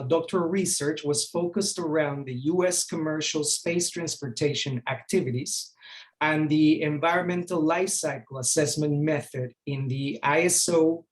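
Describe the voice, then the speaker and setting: A man hosting a webinar, reading out formal introductions of the speakers. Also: fairly high pitch.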